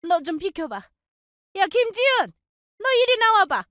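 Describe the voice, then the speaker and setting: Lady doing a shrill nagging old mother-in-law, scolds n yells, voice jumps way up and down, dry close sound. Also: big pitch swings, a little slow, no echo, heavily acted. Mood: angry scolding. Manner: scolding, shouting, indignant.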